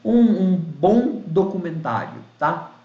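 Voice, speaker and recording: A man's voice: high-pitched, lively intonation, slow pace. A man giving a casual spoken documentary review, rambling with many fillers and restarts. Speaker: YouTube film reviewer. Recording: echoey room, dull lo-fi sound.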